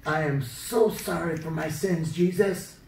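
A woman's voice: sits low, unhurried, gravelly, a little mellow. A woman voicing an eager, naive male puppet pupil who responds with wide-eyed earnestness in a children's puppet show. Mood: prayerful. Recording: roomy echo, distant microphone.

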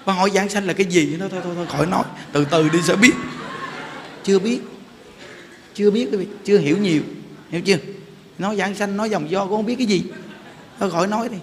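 A man's voice: sits high, fast, pauses often. A middle-aged man, a Buddhist monk giving an informal sermon and telling stories. He keeps turning to the audience with questions. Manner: chatty storyteller, often laughs and asks the audience "hiểu không?". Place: temple hall. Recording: reverberant hall with faint background noise.

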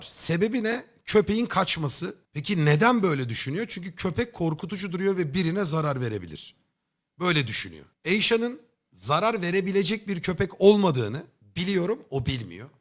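A man in a casual livestream tells a story in a bright, slightly high voice that swings up and down with a lot of expression. He talks bluntly, swears freely and exaggerates for comic effect. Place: home streaming setup.

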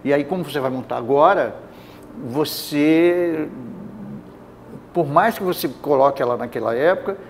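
A man's voice: fairly high pitch, moderate pace, long pauses, a little hiss or hum. Older male actor musing in an interview. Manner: rambling, restarts mid-thought. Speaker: actor guest. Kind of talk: casual studio interview chat. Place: bright indoor TV studio, seated. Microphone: lapel mic.

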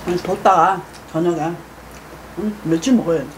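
A mukbang host chatting casually to viewers with a mouth full of food, mumbling slowly between bites. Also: medium pitch, background noise. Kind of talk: casual eating broadcast.

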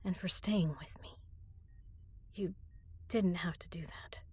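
A young woman performing an intimate audio drama as a frightened prisoner, speaking softly and often in a whisper. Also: fairly low pitch, fairly even intonation, slow. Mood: tender. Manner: soft, breathy, often whispered.

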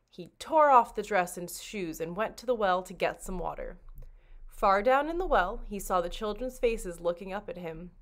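A woman reading a children's storybook aloud like a librarian, with expressive, dramatic narration. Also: medium pitch.

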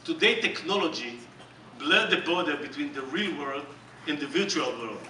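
A man's voice: fairly high pitch, moderate pace, recorded from a distance, slight background noise. Israeli-accented man presenting in an echoey hall. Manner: animated, joking, emphatic and repetitive. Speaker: company executive presenting on stage. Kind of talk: keynote presentation. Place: large dark conference hall with audience. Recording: echoey hall recorded from the audience.

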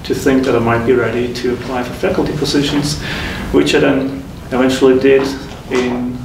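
A man in his thirties from Switzerland, a faculty guest recounting his career path in a measured, reflective way. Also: mid-range voice, flat delivery, creaky. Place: lecture room with whiteboards. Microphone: room mic from a distance. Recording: echoey room, distant mic, noisy.

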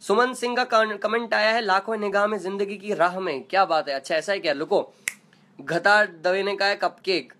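A man's voice: high-pitched, normal speed, bright, forceful tone. A man chatting playfully and non-stop in a casual live video chat, reading out comments as a singer host. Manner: playful, joking.

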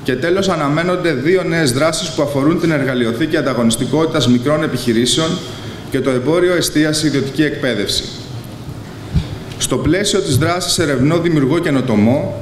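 Man reading a speech in an echoey hall. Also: fairly high pitch. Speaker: government official giving a speech. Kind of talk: formal read speech at podium. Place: large exhibition hall. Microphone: podium microphone. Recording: echoey hall, faint noise.

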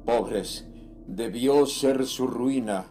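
A man's voice: medium pitch, extremely slow, dark tone, soft background music. An actor playing a greedy, restless sea captain reading out his diary in a horror audio drama. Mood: grim.

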